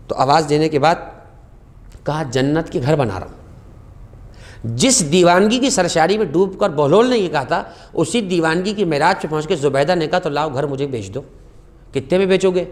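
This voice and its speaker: Man, guest religious scholar, higher-pitched voice, impassioned storytelling, slow recited quotations. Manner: impassioned, rises sharply on key phrases, recites Arabic quotations slowly. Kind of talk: religious talk-show storytelling.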